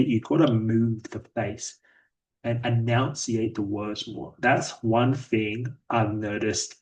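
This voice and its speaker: A sales rep vlogger talks through his day in a daily progress vlog, with a flat, slightly robotic delivery he describes himself as monotone. His voice is at an ordinary middle pitch and sounds a bit distant from the microphone.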